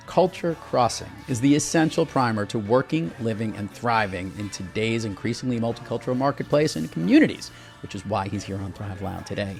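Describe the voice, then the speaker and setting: An energetic male podcast host with an ordinary mid-range voice who punches his words and tosses in playful asides. Faint music plays quietly underneath. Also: medium pitch. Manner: upbeat, emphatic, playful asides.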